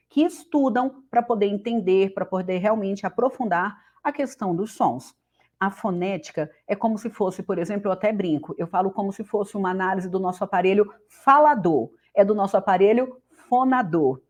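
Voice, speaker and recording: A woman's voice: medium pitch, darkish tone. A woman with a Brazilian Portuguese accent giving a casual online grammar lesson as a teacher, talking straight to the viewer and asking questions. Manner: chatty, addresses the viewer directly with questions.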